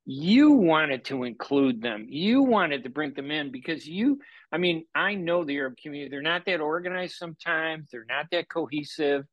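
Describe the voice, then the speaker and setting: A man hosting a radio interview, leading his guest with questions and setting the scene for listeners. His voice sits a little high for a man, and it sounds dry, with almost no room in it. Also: lively intonation, normal speed, dry recording, dull audio. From USA. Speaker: radio show host.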